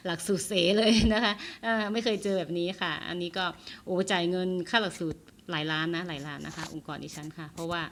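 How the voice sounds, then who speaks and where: A woman vlogging in a casual, polite way, talking in a home setting with many soft fillers and hesitations. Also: on the low side, a little hiss or hum. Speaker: vlogger, bank counter worker. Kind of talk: casual vlog talk.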